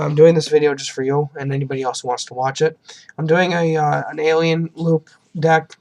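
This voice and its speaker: Hoarse young man rambling at his desk. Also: fairly high pitch. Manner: rambling, self-deprecating, frequent ums and coughs. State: hoarse from a sinus infection. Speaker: card game YouTuber. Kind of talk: casual deck walkthrough. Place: at a desk at home, indoors.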